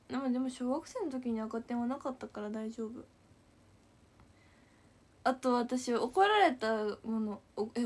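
A young woman in her twenties with a Kansai accent, telling a story to viewers in an animated, giggly way. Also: on the high side. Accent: Kansai Japanese. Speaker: idol livestreamer.

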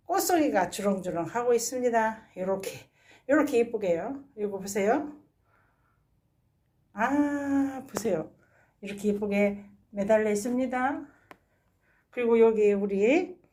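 In a casual walkthrough vlog, a gardening channel host with a high, slightly mellow voice moves through her balcony garden, talking lovingly about her plants and sighing out frequent exclamations.

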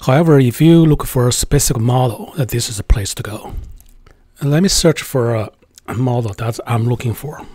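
A man talks through a casual tutorial in a chatty, hesitant voice full of filler sounds. His voice sits at an ordinary middle pitch. The sound is dry and close, with no room echo. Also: moderate pace, a little mellow. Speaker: tech channel host.

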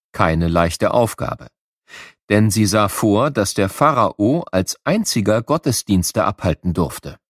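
Male narrator, fairly low pitch, explanatory storytelling for kids, scripted delivery, dry close studio sound. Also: dry recording. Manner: clear storytelling, explanatory with rhetorical questions. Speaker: narrator of an educational children's audiobook.

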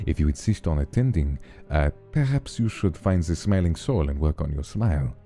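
A man's voice: a bass voice, expressive, mellow, soft background music. A man doing a polite French doorman. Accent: put-on French. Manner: formal, polite, unhurried. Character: courteous male party doorman. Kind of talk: reading game dialogue aloud.

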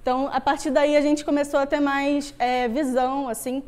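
Speaking from a stage before a screen in a wooden-floored meetup room, this Android developer delivers an informal tech talk in a relaxed, chatty way. She is young, has a Rio de Janeiro (carioca) Brazilian accent, and her high, darkish voice comes across flat at a moderate pace.

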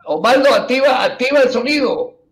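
A man's voice: extremely high pitch, expressive, brisk, a bit bright. Jovial male talk show host. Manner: jovial, interrupting, calls on guests. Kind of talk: casual talk show banter. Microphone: video call.

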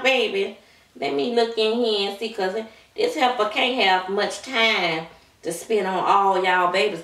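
With a bright, pushed mid-range voice, a woman plays a sassy, gossipy middle-aged babysitter auntie who rambles chattily and calls everyone child and honey. The mic sits at a distance in a roomy space.

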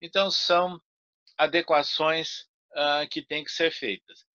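An older man answering interview questions over a video call from his home study, speaking deliberately with frequent fillers and restarts. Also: on the high side, fairly even intonation, sharp tone, no echo. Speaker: guest speaker. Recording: dull lo-fi video call audio.

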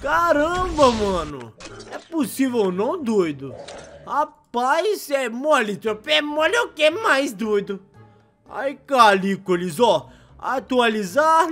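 A young Brazilian man with a Brazilian Portuguese accent narrates his game spins in an excitable, exasperated rush of slang. His voice sits high and bounces with lively swings, slightly hoarse from yelling, while faint game music plays underneath. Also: slow. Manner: exasperated, exclaims often, heavy slang. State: voice going hoarse. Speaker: gaming YouTuber. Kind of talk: excited gameplay commentary.

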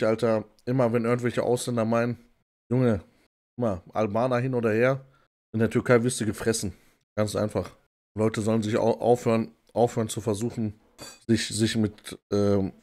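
A man casually commenting on clips as a streamer, relaxed and slangy, often laughing. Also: on the low side. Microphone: desktop condenser mic.

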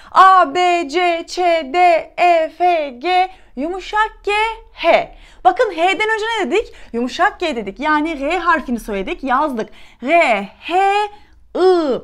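Very high-pitched teacher lady from turkey, slow clear letter-by-letter lesson for little kids. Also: fairly bright tone. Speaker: primary school teacher. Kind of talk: children's lesson.

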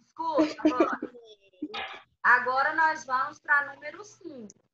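A woman teaching young children in an online class, explaining slowly and patiently step by step. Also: sits high, steady tone, crowd noise. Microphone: video call. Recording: echoey, distant, dull video call.

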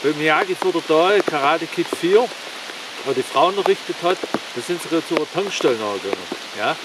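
A man in his forties talking casually to camera in a forest, rambling and halting. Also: lively intonation. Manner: rambling, halting with many fillers; louder and higher while demonstrating strikes. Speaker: martial arts YouTuber. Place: forest, outdoors. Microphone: camera on the ground, several meters off. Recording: distant camera mic with rain hiss.

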